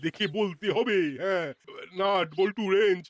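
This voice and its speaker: A man's voice: sits high, steady tone, moderate pace, highs cut off, natural voice. A man voicing a mild school headmaster in a cartoon, earnest and polite. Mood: businesslike.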